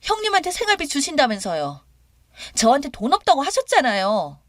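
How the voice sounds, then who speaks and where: A woman's voice: high voice, wildly swooping pitch, brisk, dry recording, clean studio sound, pitched above the performer's own voice. A woman voicing a young, demanding daughter-in-law who talks in a pushy, complaining way. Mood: indignant.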